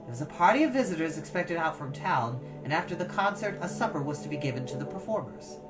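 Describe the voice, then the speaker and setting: A woman reading a classic novel aloud as a storyteller, expressive and lingering over phrases. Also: low voice, fast. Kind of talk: scripted narration, storybook reading. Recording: distant mic with music behind. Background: music.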